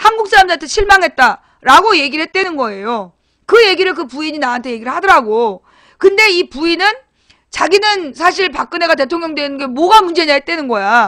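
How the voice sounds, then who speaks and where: A woman speaks in an extremely high, raised, projected voice, bright and sharp in tone. She is animated and fairly quick, with very wide pitch swings. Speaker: political commentary streamer. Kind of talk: casual political talk show. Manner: fast.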